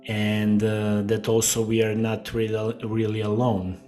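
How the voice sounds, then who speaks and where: A middle-aged man from Croatia, a guest speaking slowly and hesitantly with many fillers in a casual interview. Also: fairly low pitch, flat delivery, dark tone, faint music behind.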